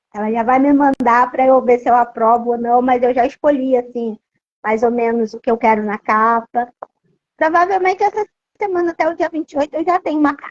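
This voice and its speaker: A woman speaks with a high pitch and lively intonation at a fairly quick pace. The sound is dry and close, with no echo. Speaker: author. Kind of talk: interview.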